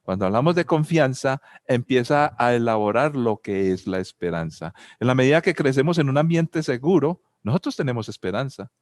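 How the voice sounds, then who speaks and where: A man's voice: medium pitch, lively intonation, normal speed, hardly any pauses, a little mellow, dry recording, studio quality. Colombian man posing rhetorical questions. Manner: asks many rhetorical questions; tells personal anecdotes. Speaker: speaker on family and spirituality. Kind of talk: reflective talk.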